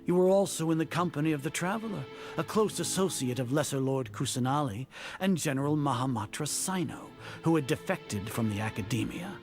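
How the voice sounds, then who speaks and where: An actor playing an imperious older grand sage in a video game, a cold schemer who speaks formally, deliberately and with condescension. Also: male voice, a little high, lightly acted. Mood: condescending, accusing. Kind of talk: scripted video game voice acting. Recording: game dialogue over loud music.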